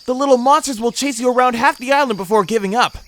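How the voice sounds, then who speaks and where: A man's voice: very high-pitched, fast, a bit bright. A man voicing a big, good-natured ape who rules his island, earnest and a bit mock-formal, in a fan audio drama. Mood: relieved, explanatory.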